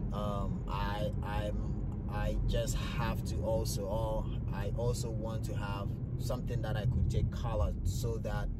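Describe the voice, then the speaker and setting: The speech moves at a fairly slow pace against loud background noise. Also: man, dry sound with no echo. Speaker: film photographer vlogger. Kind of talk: casual vlog chat. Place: car. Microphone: phone near.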